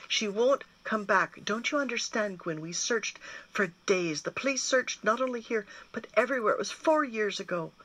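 A worn-out storybook mother, firm with her son yet kind underneath, as a woman reader puts her on. Her voice is husky and bright, rising and falling with feeling. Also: mid-range voice, lively intonation, normal speed, hardly any pauses, no echo, pitched above the performer's own voice, rough recording. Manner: tired, firm. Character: weary, worried mother, firm but kind.

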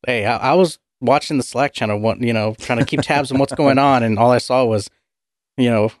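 A man's voice: mid-range voice, a little fast, dry recording, clean studio sound. A man co-hosting a podcast in casual chat, with a wry, teasing manner. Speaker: podcast co-host.

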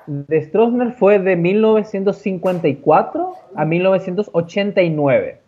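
Man, Guarani speaker, high voice, loose and rambling with restarts, tinny phone-line sound. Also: moderate pace. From Paraguay. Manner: relaxed, repetitive, many fillers and restarts. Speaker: interviewee. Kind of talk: casual interview answers. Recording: tinny phone-like call audio.

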